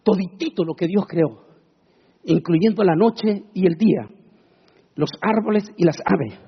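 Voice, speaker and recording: Fiery high-voiced preacher, husky and lively. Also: male voice, measured pace, highs cut off. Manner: dramatic, shouting proclamations in a high voice. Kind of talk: sermon.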